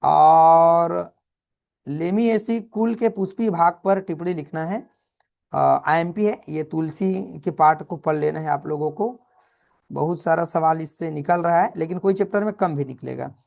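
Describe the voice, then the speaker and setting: A man, teaching a brisk exam revision lesson and calling his students children. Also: fairly high pitch, vocal fry, a little mellow.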